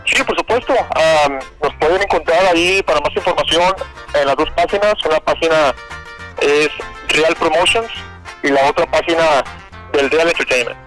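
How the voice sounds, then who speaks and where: A Mexican man speaks as a radio guest in a somewhat high voice, hesitant and nervous, stopping and restarting with fillers. Soft music plays faintly behind him. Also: normal speed, rough recording. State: nervous on air. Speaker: rodeo promoter, interview guest. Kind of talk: radio interview.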